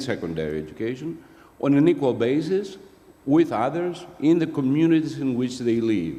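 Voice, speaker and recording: Audible room echo surrounds a man with a Greek accent, whose dark, mellow tone sits at a medium pitch and moves with lively intonation at a moderate pace. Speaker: education policy official. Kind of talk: conference panel talk. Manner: halting.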